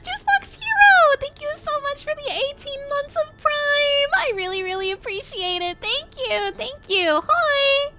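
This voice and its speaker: A woman streamer with a high-pitched voice, chatting in a bubbly, giggly way between game dialogue. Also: measured pace, hardly any pauses, loud music behind the voice. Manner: bubbly, giggly, filler-heavy chat. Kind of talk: casual chat while reading game dialogue.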